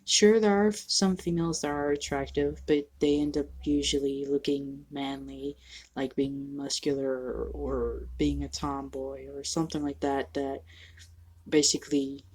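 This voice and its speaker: A young trans man talking candidly to the camera in a casual home vlog, halting and self-deprecating, sniffly from allergies. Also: medium pitch, little pitch movement, darkish tone, low-quality recording. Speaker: vlogger. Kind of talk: casual personal vlog monologue.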